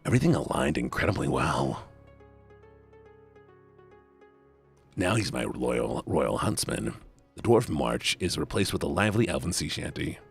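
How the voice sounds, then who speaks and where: A man voicing a smug, theatrical male villain lord who tells his tale in a low, slow, dry drawl. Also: creaky, husky, heavily acted. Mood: gloating.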